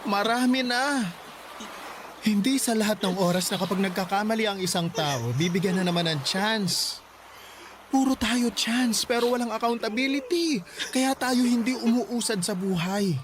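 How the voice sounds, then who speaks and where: High-pitched, hurt but resolute gay foster mother played by a man. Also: normal speed, background noise, close to an everyday voice. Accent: Filipino. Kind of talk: Filipino radio drama acting.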